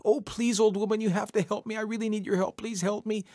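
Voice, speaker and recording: A man's voice: medium pitch, sing-song, unhurried, darkish tone, husky, dry recording, studio quality. A man voicing a vain, scheming trickster coyote from a folktale, whining and pleading with a stammer.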